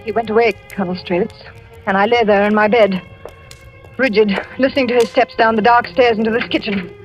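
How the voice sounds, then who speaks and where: A woman's voice: on the high side, steady tone, brisk, close to an everyday voice. A woman playing a tense, frightened young wife. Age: young adult. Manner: tense, hushed narration. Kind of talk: 1940s radio acting. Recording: lo-fi vintage radio with music.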